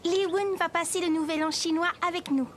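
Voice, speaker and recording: Very high-pitched friendly little girl. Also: fairly even intonation, a little fast, slight background noise. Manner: helpful, explaining things simply. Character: friendly, confident little girl, about six. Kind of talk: French-dubbed preschool cartoon acting.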